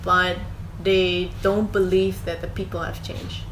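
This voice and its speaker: A woman's voice: fairly low pitch, little pitch movement, a little slow. A young woman from the Netherlands, a podcast guest, chatting casually and thinking aloud with many fillers. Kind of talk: casual chat. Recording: echoey room with background noise.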